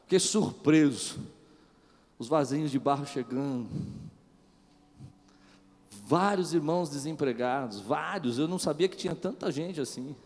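A man preaching a sermon as pastor, moving from quiet storytelling to loud, shouted preaching. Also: on the high side, expressive, unhurried, pauses often, big-room sound. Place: church.

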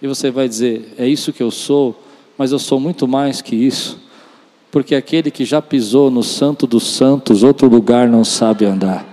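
A male preacher with a mid-range, dark-toned voice delivers a charismatic church sermon at a moderate pace. He addresses his listeners directly and emphatically, using repetition and acted-out dialogue, and the recording carries the long reverb of a large hall.

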